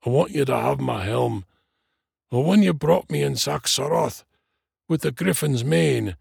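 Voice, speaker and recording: A man voicing an old male dwarf from a fantasy storybook, weak and croaking, irritable and full of self-pity. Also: medium pitch, a little slow, a little mellow, no room sound, studio quality, pitched above the performer's own voice, exaggerated voice. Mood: weary, resigned. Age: older.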